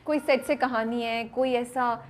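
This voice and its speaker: A woman's voice: on the high side, fairly even intonation, slight background noise. A woman interviewing two actors, chatty and mixing two languages. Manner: chatty, mixing Urdu and English. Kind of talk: casual interview chat.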